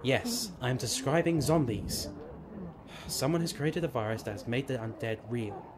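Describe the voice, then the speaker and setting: A man's voice: mid-range voice, lively intonation, normal speed, lightly acted. Guy acting as a grave, curt soldier in a zombie radio play, noticeable background noise. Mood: grave, stern. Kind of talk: amateur audio drama acting. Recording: noisy amateur recording.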